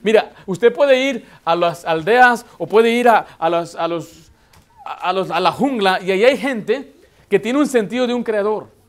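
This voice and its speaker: High-voiced preaching pastor man. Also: lively intonation, unhurried. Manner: emphatic, asks rhetorical questions and answers them. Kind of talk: sermon.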